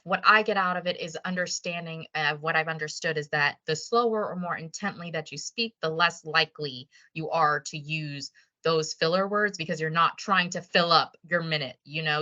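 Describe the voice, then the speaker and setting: A woman's voice: lowish voice, sharp tone, muffled recording. Upbeat woman hosting a video call. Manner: upbeat and encouraging. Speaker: meeting host. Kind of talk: casual online meeting chat.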